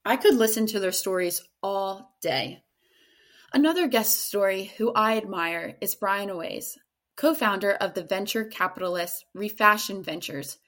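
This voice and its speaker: A woman's voice: medium pitch, fairly bright tone. A woman hosting a podcast, enthusiastically introducing guest clips. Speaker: podcast host. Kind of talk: podcast episode recap.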